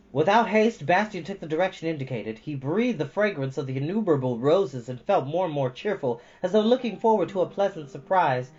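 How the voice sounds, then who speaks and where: A man reading a storybook aloud as host, with expressive, deliberately stressed phrasing. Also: on the high side. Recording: dull lo-fi sound with music behind.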